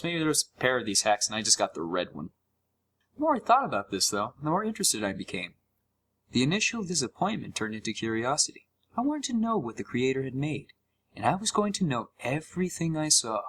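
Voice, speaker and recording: A man's voice: a little high, a bit bright, exaggerated voice. A man playing a sarcastic, curious young gamer, narrating a first-person horror story in a wry, conversational way. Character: sarcastic, curious young male gamer recounting a creepy found game.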